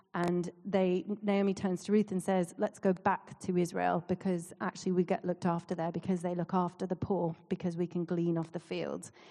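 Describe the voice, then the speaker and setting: Delivered at a moderate pace with hardly any pauses, the speech has a warm, dark, mellow tone and a flat, monotone intonation. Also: woman, fairly low pitch for a woman. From Canada. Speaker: church leader and guest preacher. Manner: warm, chatty, laughs often.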